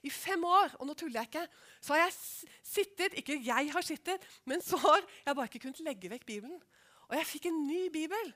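A middle-aged woman with a high voice preaches a personal testimony. She tells it as a lively story and keeps checking that her listeners follow along. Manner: animated storytelling, asks listeners "skjønner du?". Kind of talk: testimony sermon.

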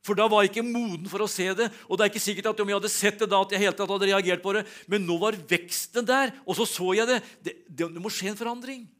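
A middle-aged man preaching a sermon and telling personal stories, animated, swinging between loud emphasis and quiet asides. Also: high voice, few pauses.

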